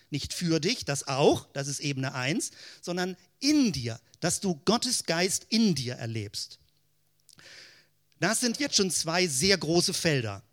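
Higher-voiced man teaching theology. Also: fairly bright tone. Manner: explains step by step in keyword lists; asks rhetorical questions. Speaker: Christian teacher.

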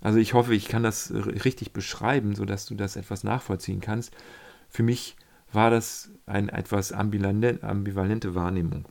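Low gravelly man recalling a pilgrimage. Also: steady tone, moderate pace, a little mellow. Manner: reflective, searching for words, many fillers. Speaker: pilgrim telling of his journey. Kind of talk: casual spoken travel account.

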